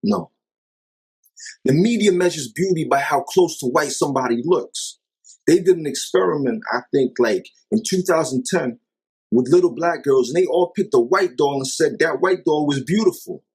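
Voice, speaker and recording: A man's voice: on the high side, animated, normal speed, darkish tone, husky, rough recording. A man vlogging an impassioned commentary monologue, emphatic and exasperated, firing off rhetorical questions.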